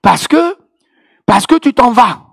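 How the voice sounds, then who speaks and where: A woman's voice: a little high, very animated, slow, creaky, slightly rough, no echo, studio quality, pitched above the performer's own voice, full character voice. A man quoting an upset church woman with an Ivorian accent, blunt and repeating herself. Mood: insistent. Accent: Ivorian French.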